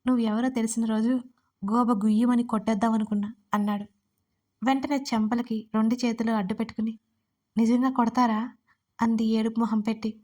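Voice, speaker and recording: A woman's voice: fairly high pitch, level tone, a little fast, dark tone. A woman narrating a romantic story and reading both lovers' lines herself. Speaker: writer and narrator.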